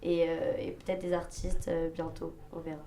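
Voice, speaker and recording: A woman's voice: on the low side, completely flat delivery, normal speed, mellow, slight background noise. Chatty woman guest, echoey room. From France. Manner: chatty, enthusiastic, keeps saying "c'est ça". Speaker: guest, stylist and actress. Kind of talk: casual interview chat.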